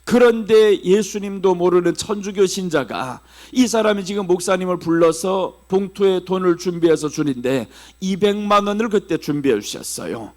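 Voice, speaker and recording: A middle-aged man with a Seoul Korean accent preaching a sermon as pastor, swinging between hushed low phrases and raised emphatic ones. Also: moderate pace, few pauses.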